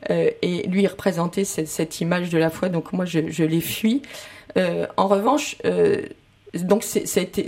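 A woman's voice: on the low side, darkish tone. A woman in her fifties giving a personal testimony on a discussion panel, hesitant at first and then more emphatic. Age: 50s. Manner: hesitant, many fillers and restarts, grows more emphatic. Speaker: guest sharing a testimony.

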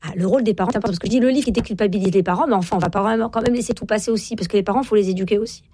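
As a guest in an interview, a woman in her forties who writes about parenting and works as a child psychologist speaks in a mellow, medium-pitched voice with a breathy edge, recorded without echo. Her talk is rapid and emphatic, packed with fillers and repeated agreements.

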